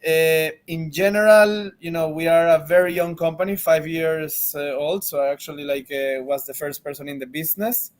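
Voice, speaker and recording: A man's voice: fairly high pitch, steady tone, moderate pace, hardly any pauses. Male exec, office interview, casual and loose. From Venezuela. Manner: casual, many fillers and restarts. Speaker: marketing executive guest. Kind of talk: interview answers.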